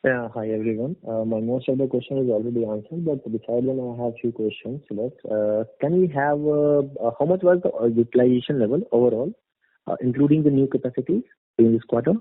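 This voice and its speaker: A man asking questions in a halting way as an individual investor on an earnings call. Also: medium pitch. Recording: narrow phone line.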